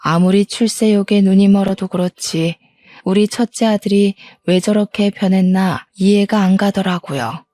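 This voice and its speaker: A woman's voice: mid-range voice, mellow, no room sound. A woman in her sixties telling a first-person story in a plain, rueful way. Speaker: narrator.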